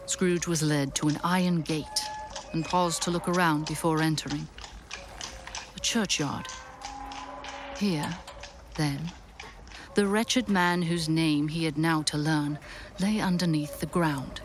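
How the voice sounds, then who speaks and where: A woman playing the storyteller of a Victorian ghost tale, narrating dramatically in a measured, suspenseful way. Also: deep voice, fairly even intonation, music in the background. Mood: solemn suspense.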